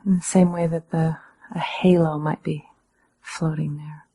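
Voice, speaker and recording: A woman meditation teacher giving calm, measured guided instruction in a breathy, slightly husky voice, with gentle pauses. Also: low-pitched.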